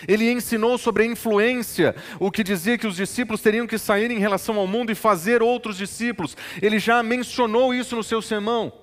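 A male pastor preaches a sermon, moving between relaxed childhood stories and emphatic teaching. His voice sits a little high for a man. The sound carries a long reverb from a large church. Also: brisk, hardly any pauses. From northern Brazil. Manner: storytelling, rising to emphatic preaching.

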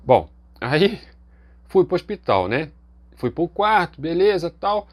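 A man telling a funny personal story in a podcast studio, animated and profane, with lots of fillers. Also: fairly high pitch, slow pace. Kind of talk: casual comic anecdote.

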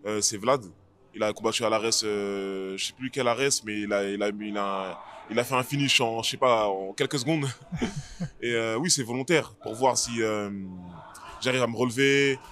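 A man's voice: lowish voice, normal speed, a bit bright, slight background noise. A man who is an MMA fighter, answering interview questions casually and hesitantly, with many fillers and restarts. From France.

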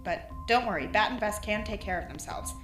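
Woman voicing a blunt deadpan survivor, audio drama, roomy echo, music underneath. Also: medium pitch, fairly quick, lightly acted. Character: blunt, dry-witted woman lost in dark halls. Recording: echoey room with music behind.

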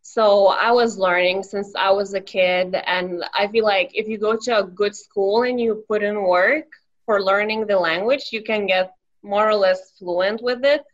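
A woman's voice: mid-range voice, steady tone, unhurried, highs cut off. Young Lithuanian woman, interview guest. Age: young adult. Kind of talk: casual interview answers.

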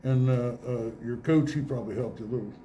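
A man hosting a casual sports awards interview, folksy and halting, often repeating himself as he goes. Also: medium pitch, noisy background. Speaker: radio host interviewing award winners.

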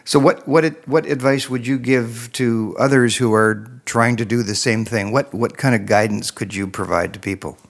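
A man's voice: mid-range voice, normal speed, hardly any pauses. A male podcast host who interviews a guest, encouraging him with frequent affirmations. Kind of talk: interview hosting.

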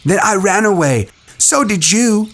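A man's voice: high-pitched, lively intonation, measured pace, a bit bright, voice pushed up, exaggerated voice. A man voicing a young boy leader in an audiobook, talking in clipped, bitter bursts.

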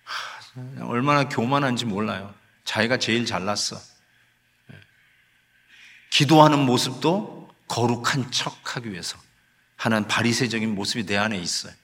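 A man's voice: medium pitch, unhurried, pauses often, a bit bright. A man preaching a sermon as pastor, in a conversational style that slips English phrases into his talk and acts out sighs and scolding. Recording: long hall reverb.

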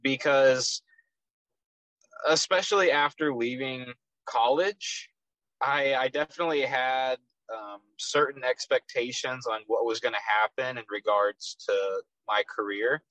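A young man with a light Texas accent talks through his story in an easy, unhurried way, often pausing on "um" and restarting his sentences. His voice sits in a middle range, and the sound is dry and close with no room around it. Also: medium pitch, dry recording, highs cut off. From Texas, USA. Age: 20s. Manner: relaxed, with frequent ums and restarts. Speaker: guest, professional soccer player. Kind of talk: casual interview answers.

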